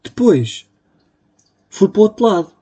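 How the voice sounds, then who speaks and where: A man's voice: high voice, very animated, normal speed, warm tone, husky. A young man with a European Portuguese accent hosting a casual solo podcast, rambling and poking fun at himself. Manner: rambling, self-mocking, full of fillers. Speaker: podcast host. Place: home room at a computer. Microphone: computer mic.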